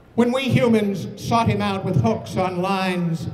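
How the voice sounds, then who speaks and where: A man's high-pitched voice at a very slow pace, with lively intonation. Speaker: climate march organizer. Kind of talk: rally speech and mock eulogy. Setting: outdoors, on City Hall steps. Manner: formal, oratorical. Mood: playful mock eulogy. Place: street. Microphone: handheld.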